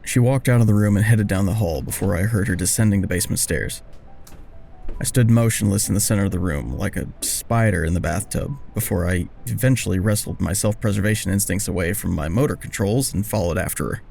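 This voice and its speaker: A man's voice: fairly low pitch, a little fast, creaky, a little mellow, soft background music. An actor with an American accent playing a hapless, charming young man who tells his own story in an audio drama with wry self-deprecation. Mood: wry, rueful. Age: young adult. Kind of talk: audio drama first-person narration and dialogue.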